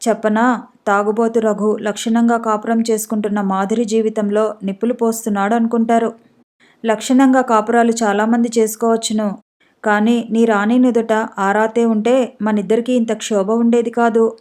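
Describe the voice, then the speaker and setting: A woman's voice: fairly high pitch, level tone, moderate pace, a little mellow, lightly acted. Woman reading as a grieving young drinker. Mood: sorrowful.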